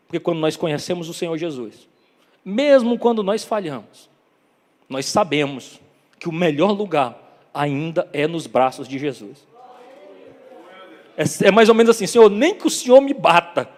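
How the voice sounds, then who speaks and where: A man with a northeastern Brazilian accent preaching a sermon, telling the story dramatically, acting out dialogue and building to loud climaxes. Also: on the high side. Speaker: evangelist preacher. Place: church hall. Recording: long church reverb.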